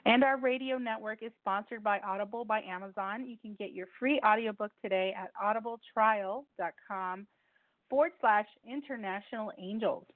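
A woman's voice: medium pitch, no echo. A woman whose first language is Spanish hosts a call-in radio show in a chatty way, repeating details and stumbling over her words. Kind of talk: casual call-in radio hosting. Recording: tinny phone line, dry.

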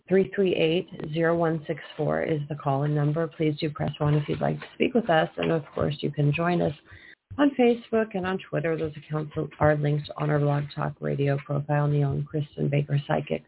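A woman's voice: deep voice, creaky. A woman co-hosting a casual call-in radio show, with a stuffed-up, nasal voice as if her nose is blocked. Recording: tinny phone-like line, faint hiss.

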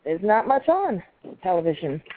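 A woman's voice: fairly low pitch, sing-song, normal speed. A woman chatting casually and bluntly as a phone-in co-host. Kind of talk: casual chat. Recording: dry tinny phone line.

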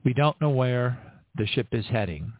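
A man's voice: mid-range voice, animated, no echo. Earnest man praying over a tinny line. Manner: earnest, halting, with frequent restarts. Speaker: prayer leader. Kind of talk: spontaneous spoken prayer. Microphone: online stream. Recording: tinny phone-like line, dry.

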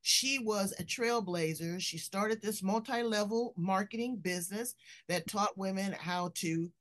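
A woman hosting a talk show, effusive and playful, with an upbeat, rallying way of speaking. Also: medium pitch. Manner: effusive, playful, preachy about purpose. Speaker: show host. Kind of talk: casual interview chat.

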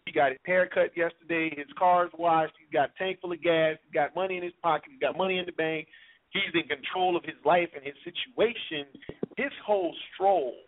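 A man's voice: on the high side, narrow, tinny audio. A man on a talk radio show, explaining his views at length with worked examples in a casual way.

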